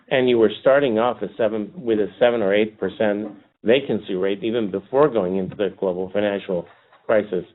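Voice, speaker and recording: A man with a fairly low voice answers as an executive on a conference call. He speaks off the cuff, pausing and restarting as he goes. The sound is a thin, tinny phone connection. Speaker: company executive answering analysts. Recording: narrow tinny phone line.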